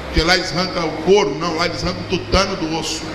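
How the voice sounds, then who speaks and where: High-voiced Brazilian preacher in an echoing hall. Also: male voice, rapid-fire. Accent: Brazilian Portuguese. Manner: preaching with storytelling and humor, hand-held mic, animated gestures. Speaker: pastor. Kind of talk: sermon. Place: large church hall with a packed congregation. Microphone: handheld mic. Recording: echoey hall with crowd hum.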